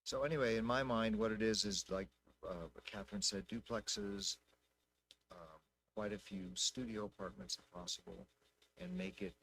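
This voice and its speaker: A man with a low, creaky voice speaks at an indoor council meeting. His intonation moves up and down a great deal as he thinks out loud in plain, folksy language. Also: animated, moderate pace, slight background noise, poor audio. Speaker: city council member. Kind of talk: informal remarks and questions at a public meeting.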